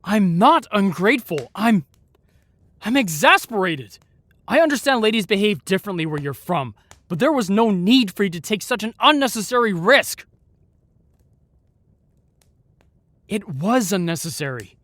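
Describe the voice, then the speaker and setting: Male actor, protective fantasy knight, formal diction, scolding earnestness, animated pitch, dry recording. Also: normal speed, no echo. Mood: stern, earnest. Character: protective, exasperated young male knight guarding a lady. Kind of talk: fantasy audio roleplay acting.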